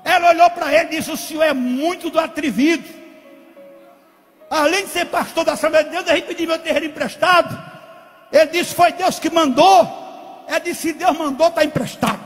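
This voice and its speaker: High-pitched preaching man, Brazilian accent. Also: steady tone, normal speed. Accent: Brazilian Portuguese. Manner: repetitive, rising to shouts, sing-song preaching cadence. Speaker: pastor. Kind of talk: preaching testimony sermon. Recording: long hall reverb with faint music.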